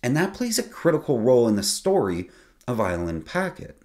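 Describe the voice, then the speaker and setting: A man's voice: medium pitch, normal speed. A man in his forties hosting a sailing channel, explaining boat technicalities to camera in a casual, conversational way from a small home studio. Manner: lively, conversational, explains technical detail plainly.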